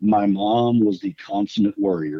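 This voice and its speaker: A man speaks with a Texan accent. His pitch is very deep and low. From Texas. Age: 40s. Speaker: police officer. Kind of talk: interview storytelling.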